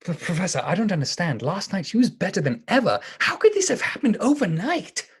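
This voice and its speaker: A man's voice: high-pitched, big pitch swings, a little fast, slightly rough, heavily acted. An actor playing an earnest, anxious man in love, hesitant and emotional, in a radio drama. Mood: distraught. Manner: hesitant, emotional, stammering when alarmed. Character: earnest, anxious lovesick man, doctor and narrator. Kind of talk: theatrical radio drama acting and narration.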